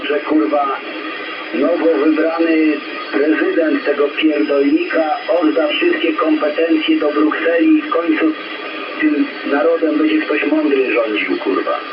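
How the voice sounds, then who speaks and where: A man's voice comes through a CB radio, muffled and distant, with an echoey ring and loud music running underneath. He rants in a bitter, sneering tone and curses constantly. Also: a little high, expressive, normal speed. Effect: transmitted over CB radio. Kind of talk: angry rant.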